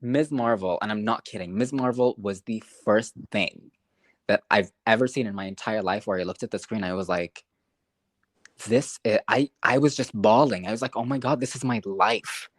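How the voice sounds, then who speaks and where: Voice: medium pitch, brisk, no echo. Dry, close-miked gushing podcast co-host. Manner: gushing, emotional, swears freely. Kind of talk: casual podcast chat.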